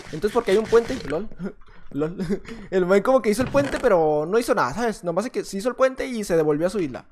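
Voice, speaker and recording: A man's voice: high-pitched, fairly quick. Mexican-accented male gamer, jumpy running commentary, loops little phrases, a faint hiss underneath. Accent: Mexican Spanish. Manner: excitable, repeats short phrases over and over, talks to himself. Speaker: gaming youtuber. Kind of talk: live gameplay commentary.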